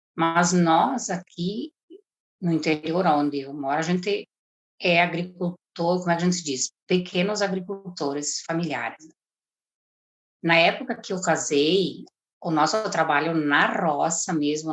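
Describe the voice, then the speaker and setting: A woman talks at a very slow pace. Her pitch is fairly low, with ordinary pitch variation. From Brazil, rural Rio Grande do Sul (Erechim). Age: 60s. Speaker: retired farmer, therapy client. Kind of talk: interview testimony. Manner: halting, repeats words.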